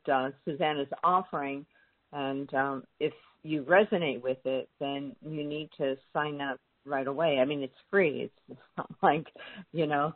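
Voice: medium pitch, no echo. Interview host, encouraging and prompting, mid-range voice, dry tinny phone-like audio. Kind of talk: interview conversation.

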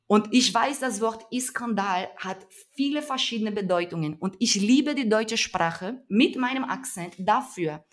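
An earnest young woman with a Brazilian Portuguese accent speaks as an interview guest, emphatic and searching for her words. Her voice sits at a middle pitch. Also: expressive, a little slow, hardly any pauses. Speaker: activist guest. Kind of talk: conversational interview.

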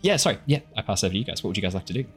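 A man with a very deep voice narrates a tabletop roleplaying game off the cuff as its game master. He slips between description and casual, self-deprecating chat with players. Faint music plays behind him. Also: sing-song, racing.

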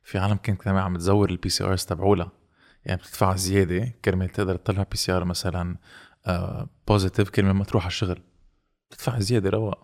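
A man with a Lebanese Levantine Arabic accent speaks in a low voice at a fast pace. He chats casually and slips English phrases into his sentences. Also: level tone, darkish tone. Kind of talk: casual conversation switching between Arabic and English.

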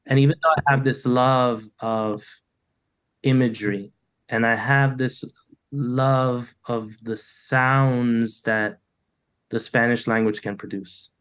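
A man's voice: mid-range voice, steady tone, slow pace, fairly bright tone, smooth. A middle-aged man, talking in a reflective interview over a video call, with a loose flow full of "you know" and restarts. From United States. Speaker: poet, interview guest.

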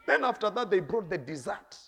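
A middle-aged man with a Kenyan accent, preaching a sermon with lively stories, laughing and swinging between soft and loud. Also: sits high, a little fast, gravelly. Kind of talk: sermon with storytelling.

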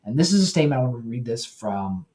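A man hosting a Christian news commentary show, talking earnestly and directly to his listeners, often pausing and correcting himself. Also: medium pitch, animated, darkish tone. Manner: earnest, with self-corrections and pauses.

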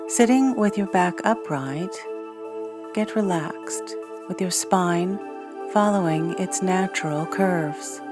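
Slow, soft-spoken woman guiding meditation over music. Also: on the low side. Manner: gentle, soothing, soft-spoken delivery with long pauses. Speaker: meditation guide. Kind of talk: scripted guided meditation narration. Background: new-age music.

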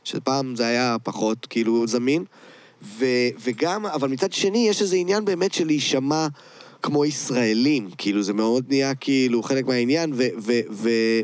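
A man's voice: mid-range voice, no room sound. Israeli man in slangy, casual chat. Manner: slangy, peppered with English words. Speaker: interview guest, rapper and music producer.

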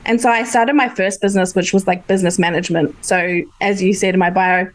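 A woman from New Zealand, a hypnotherapist, chats openly and eagerly as a guest on a podcast in a casual interview. Her accent is a light blend of New Zealand and Australian, and her mid-range voice moves fairly quickly with fairly even intonation. She comes across as open, enthusiastic and self-deprecating.

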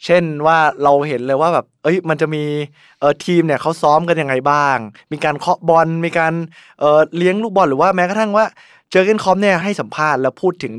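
A young man chatting casually as a podcast co-host, an animated storyteller who laughs often. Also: on the high side, fast talker, clean tone, no room sound, studio quality. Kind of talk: casual chat about a football documentary.

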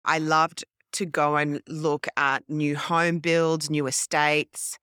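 An Australian woman in her forties tells her story in a restless, self-correcting rush, her first language French. Her voice is bright and smooth. The sound is dry and close. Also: sits low, level tone, takes it slowly, no room sound. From grew up in French Polynesia, then Australia. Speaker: podcast guest. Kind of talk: casual interview storytelling. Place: hotel room.

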